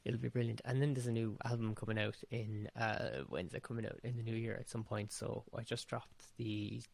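A man's voice: fairly low pitch, steady tone, brisk, vocal fry, a little mellow. A man with an Irish accent chatting casually and self-deprecatingly as a guest music producer on a podcast.

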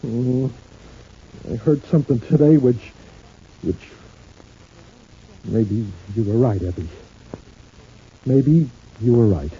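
A man acting a proud, gullible working-class husband in an old-time radio serial, with a plaintive, folksy, halting delivery. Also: medium pitch, animated, dark tone, a little hiss or hum. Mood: hurt. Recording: muffled old radio recording.

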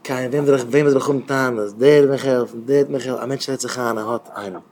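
A man's voice: medium pitch, steady tone, fast talker, a little mellow. A man, a rabbi, giving a Hasidic Torah talk, emphatic and repeating phrases in rising bursts.

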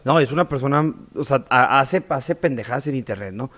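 A man with a Mexican accent hosting a casual interview, asking relaxed, curious questions. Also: medium pitch, a little fast. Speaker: podcast host.

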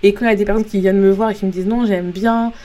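Mellow-voiced French woman podcaster. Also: medium pitch, level tone, rapid-fire. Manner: earnest, frank, many fillers and restarts. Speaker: podcast host and coach. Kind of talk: casual motivational monologue.

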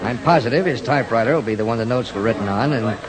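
An actor playing a calm, methodical police lieutenant in a 1940s radio drama, firm and businesslike. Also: male voice, medium pitch, fast talker, crowd noise, lightly acted, rough recording.

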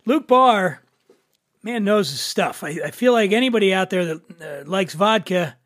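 A man's voice: high voice, animated, normal speed, fairly bright tone. A man from Philadelphia with a Philly accent, hosting a podcast in casual, joking banter. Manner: joking, laid-back banter. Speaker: podcast host. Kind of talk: casual chat.

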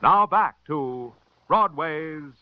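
Man, old network announcer, smooth promo read, animated, dull vintage sound with music. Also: a little high, drawn-out words. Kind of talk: 1950s radio promo announcement.

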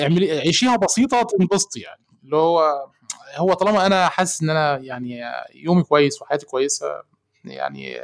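A man's voice: fairly high pitch, dry recording, studio quality. A young man from Egypt with an Egyptian Arabic accent, a podcast guest talking in an easygoing way, searching for words as he reflects. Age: young adult. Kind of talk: casual podcast conversation.

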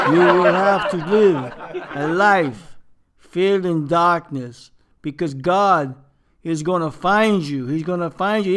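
A man's voice: on the high side, natural voice. A man playing a fretful old Jewish man who rambles and preaches in a complaining way. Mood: solemn. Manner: kvetching, rambling, sermon-like. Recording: noisy, with crowd chatter behind.

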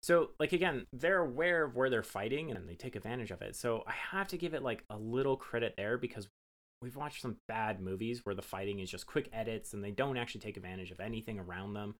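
A man's voice: lowish voice, expressive, fast, a bit bright. A man co-hosting a movie podcast, recapping the plot in casual chat and laughing often. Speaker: podcast co-host.

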